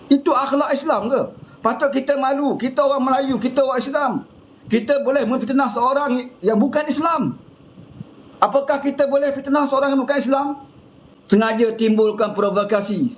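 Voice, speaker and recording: A man with a Malaysian Malay accent giving a fiery political monologue full of scolding rhetorical questions. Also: very high-pitched. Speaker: political commentator.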